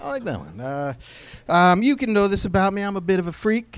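His pitch swings very widely as a man talks at a fairly quick pace. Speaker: comedian. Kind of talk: stand-up. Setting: stage with audience.

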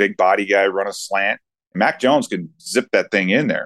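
The sound is dry and close, with no echo at all. A man talks at a fairly slow pace. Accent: American. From Chicago, US Midwest. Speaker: NFL radio analyst, former player. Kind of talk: sports interview. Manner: halting, many fillers and restarts.

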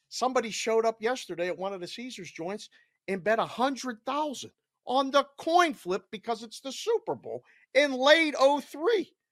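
With a slight Pittsburgh accent, the speaker uses lively intonation at a moderate pace. Loudness swings widely in a dry, close sound with no echo. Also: man, extremely high pitch for a man. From Pittsburgh, Pennsylvania. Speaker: sportsbook oddsmaker. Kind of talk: interview storytelling. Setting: video call.

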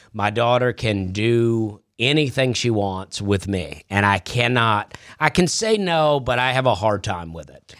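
Here a man talks at medium pitch with ordinary pitch variation. The recording is very clean, with a silent background. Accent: Southern US. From Alabama. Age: 40s. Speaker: comedian. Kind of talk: casual chat.

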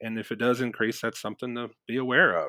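Recorded very cleanly against a silent background, a man with an American accent speaks in a bright, sharp tone. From US South, Alabama. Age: 40s. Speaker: psychiatrist. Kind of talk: interview.

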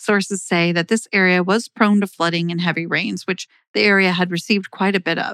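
A woman talks at a moderate pace with a medium pitch and ordinary pitch variation, in a normal speaking voice. The sound is dry and close, with no echo. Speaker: true crime podcast host. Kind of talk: true-crime narration, scripted and read steadily. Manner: measured, serious, even-paced storytelling; somber and matter-of-fact.

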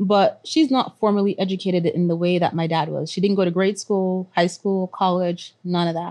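Over a quiet background, a woman with an American accent speaks at medium pitch and a moderate pace, her tone dark and mellow and her intonation fairly even. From Nigeria. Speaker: personal finance entrepreneur. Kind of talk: casual interview chat.

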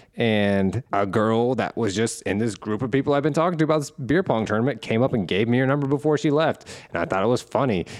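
At a very fast pace with hardly any pauses, a man of medium pitch keeps a very even loudness on a very clean recording with a silent background. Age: 30s. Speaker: podcast co-host. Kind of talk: casual chat.

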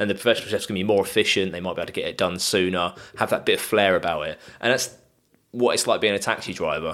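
A man with a London accent talks at a very fast pace. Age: 30s. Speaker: taxi driver. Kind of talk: interview.

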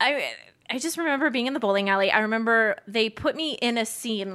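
At a very fast pace, a woman speaks with a fairly high pitch and ordinary pitch variation. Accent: American. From California. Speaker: comedian. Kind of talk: casual chat.

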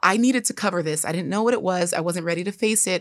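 A woman talks with an American accent at a medium pitch. She has an unremarkable speaking voice. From United States. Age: 30s. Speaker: travel blogger. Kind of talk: casual chat. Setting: studio.

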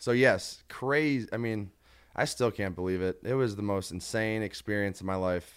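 A man with a plain, everyday voice speaks in an American accent at a moderate pace. His pitch is fairly low, with ordinary pitch variation. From Ohio. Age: 30s. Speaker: music video director. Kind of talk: casual chat. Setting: living room.

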